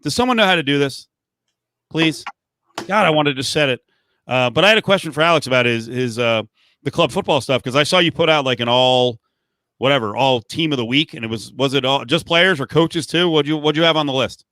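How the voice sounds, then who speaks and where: Bright-voiced man with a dry, close sound. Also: mid-range voice, brisk, no room sound. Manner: exasperated, jokey grumbling. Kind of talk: casual podcast chat.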